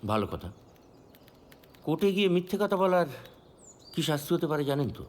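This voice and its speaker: An actor playing a calm investigator who questions suspects with pointed remarks. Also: male voice, a little high, brisk. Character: calm, probing investigator's friend. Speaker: detective's companion questioning suspects in a film. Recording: film scene with faint ambient noise.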